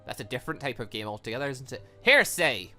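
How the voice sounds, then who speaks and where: A man's voice: medium pitch, sing-song, fast talker, sharp tone, soft background music. A man doing casual let's-play commentary on a visual novel, rambling and correcting himself as he reads and reacts. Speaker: gaming video host playing a visual novel. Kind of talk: casual let's-play commentary, reading game dialogue aloud.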